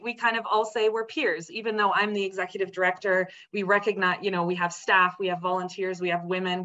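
A woman in her thirties talks earnestly on a video call, her voice bright and a little forceful but somewhat low for a woman. She pauses often with ums and restarts her sentences. The audio sounds dull and lo-fi. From Netherlands. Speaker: guest, executive director of a women's centre. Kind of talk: interview over video call. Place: home room with colourful art on walls. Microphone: laptop webcam video call.

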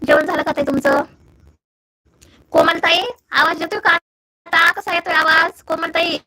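Bright high-voiced Marathi woman live-streaming. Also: little pitch movement, a little slow, low-quality recording. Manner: chatty, keeps checking her audio with viewers. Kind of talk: casual live chat with viewers. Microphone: phone.

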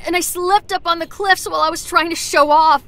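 A woman's voice: very high voice, fairly even intonation, fairly quick, a bit bright. A woman voicing a hardened, guilt-ridden furry adventurer in a cartoon video game, speaking bluntly and intensely. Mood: distraught. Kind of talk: animated video game character acting.

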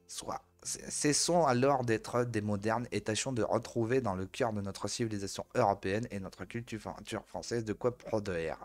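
A man reading an article aloud as host, breaking off to joke at the guest. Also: lowish voice.

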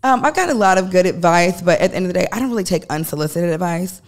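A woman's voice: on the low side, lively intonation, fast. A woman guest on a podcast, speaking into a studio microphone, telling stories bluntly and with animation, acting out what other people said. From United States. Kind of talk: candid storytelling conversation. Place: podcast studio, seated on a couch. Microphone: large studio mic on a boom arm.

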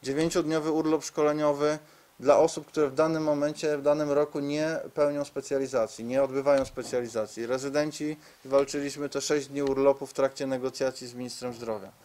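A man gives a formal, measured presentation at a press conference, pausing hesitantly. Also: mid-range voice, level tone, a little mellow. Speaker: medical reform spokesman. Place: conference room, seated at a table before a screen. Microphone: press microphones on the table.

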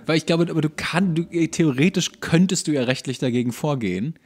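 A man's voice: fairly high pitch, brisk, a little mellow. A man co-hosting a podcast in casual conversation, agreeable and often affirming his partner. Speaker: podcast co-host.

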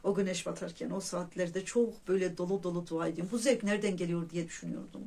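A woman's voice: fairly low pitch, steady tone, fast talker, gravelly, dark tone. A woman talking casually to her viewers, earnestly sharing religious reflections and retelling dreams, often calling them her friends. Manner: reflective storytelling with pious phrases. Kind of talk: casual personal monologue to viewers.

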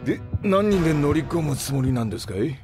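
An actor playing a gruff middle-aged ship captain and former soldier, gravelly and rough-spoken, in an audio drama. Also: male voice, a little high, sing-song, brisk. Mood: probing. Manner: rough, salty speech. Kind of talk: Japanese audio drama acting. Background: background music.

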